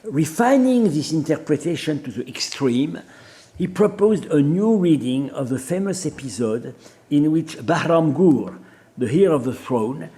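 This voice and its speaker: French-accented professor, dark mellow voice. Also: male voice, a little high, lively intonation. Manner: measured, hesitant with fillers and restarts. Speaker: professor giving a seminar. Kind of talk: academic lecture reading quotations.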